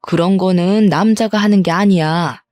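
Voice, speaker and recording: A sharp-tongued older mother-in-law nags and belittles without pause, as a female storyteller puts her on. The voice sits a little lower than the teller's own and has a mellow, soft tone. It is recorded dry and close, like a storybook audio reading. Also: dry recording, close to an everyday voice. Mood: scolding. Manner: scolding, contemptuous.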